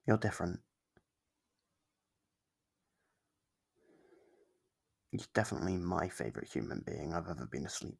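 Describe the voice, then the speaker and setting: Man playing a gravelly, soft-spoken kindly demon. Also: exaggerated voice. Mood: earnest, reassuring. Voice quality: low, gravelly, husky. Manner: soft-spoken, hesitant, reassuring. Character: kindly, apologetic sleep paralysis demon, gentle and shy. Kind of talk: ASMR roleplay monologue, soft and close.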